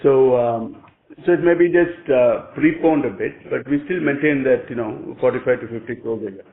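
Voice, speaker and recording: An Indian man answers questions as a company executive on a conference call. His voice has a gravelly creak and comes through a thin, echoey phone connection. He talks conversationally, hedging and pausing as he goes. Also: medium pitch. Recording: echoey, narrow telephone conference line.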